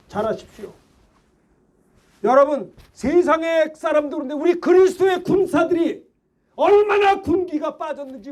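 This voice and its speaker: A middle-aged male pastor with a very high-pitched voice preaches a fervent Sunday sermon, shouting and exhorting with rhetorical questions.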